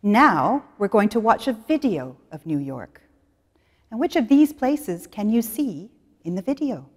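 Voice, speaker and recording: Guiding students through exercises, a middle-aged woman with a mid-range voice teaches English in a studio against a plain wall. Her slow, clear delivery has expressive, lively intonation, and each phrase is followed by a long reverb.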